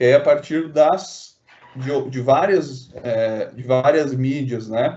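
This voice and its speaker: There is audible room echo. A man speaks at a very slow pace. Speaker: university lecturer. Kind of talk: online lecture.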